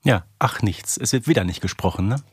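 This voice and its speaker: A man's voice: lowish voice, animated, fairly quick, husky, no echo, studio quality. A man co-hosting a podcast, giving conversational commentary on audio dramas in a chatty, emphatic way. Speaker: podcast co-host.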